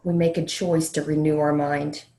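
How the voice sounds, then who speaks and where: A woman leading a guided meditation in a slow, soothing way, leaving long pauses between phrases. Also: low-pitched, level tone, dark tone. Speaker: meditation leader, counselor educator. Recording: roomy, echoey sound.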